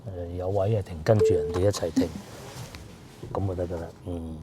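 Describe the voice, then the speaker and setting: A man's voice: low-pitched, fairly even intonation, brisk, very noisy. A man with a Cantonese accent giving rambling, casual vlog narration while riding through streets outdoors. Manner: chatty, rambling with fillers. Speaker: food vlogger.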